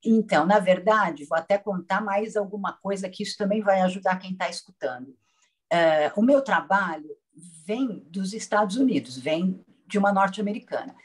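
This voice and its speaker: A woman from Brazil talks through her experience in a roundtable. Her pace is unhurried and reflective, and she often restarts a phrase. Her voice sits at a middle pitch. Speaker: patient. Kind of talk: casual roundtable testimony.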